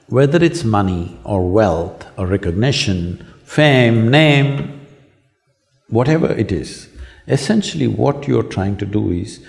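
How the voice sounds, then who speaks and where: Hoarse Indian man, rhetorical public speaker answering students. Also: medium pitch, a little mellow. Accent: Indian English. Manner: rhetorical, asks the audience to agree. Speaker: spiritual speaker answering questions. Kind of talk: public talk. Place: large lecture hall with an audience.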